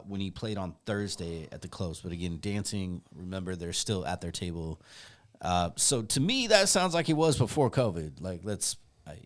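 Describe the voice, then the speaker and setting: A man with a low voice, co-hosting a DJ podcast in a laid-back, casual chat, laughing often and calling people man and bro. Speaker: DJ and podcast co-host. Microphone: studio microphone with processing.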